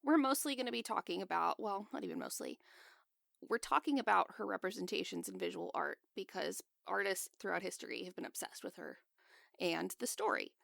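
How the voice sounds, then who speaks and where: A woman's voice: mid-range voice, a little fast, gravelly, fairly bright tone, no room sound, studio quality. A woman co-hosting a podcast, explaining a topic in a chatty, casual way. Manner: explanatory, chatty, laughs often. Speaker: podcast co-host. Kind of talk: casual chat.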